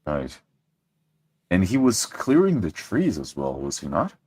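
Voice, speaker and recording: A man playing a formal, probing adventurer in a tabletop game, with a husky voice and deliberate questions. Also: deep voice, wildly swooping pitch, a little mellow, slight background noise, heavily acted. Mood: grave, inquisitive.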